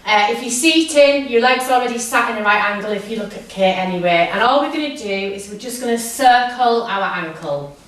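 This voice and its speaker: A woman drama teacher guiding a physical warm-up step by step, with simple, repeated, encouraging instructions. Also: on the high side, brisk. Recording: echoey room, distant microphone.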